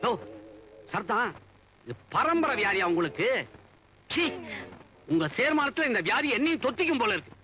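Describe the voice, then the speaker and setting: A man's voice: very high-pitched, big pitch swings, moderate pace, pauses often, bright, forceful tone, full character voice, low-quality recording. An actor playing a blustering male office general manager who scolds and mocks his staff, in a 1980s Tamil film comedy. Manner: scolding, bossy, sarcastic.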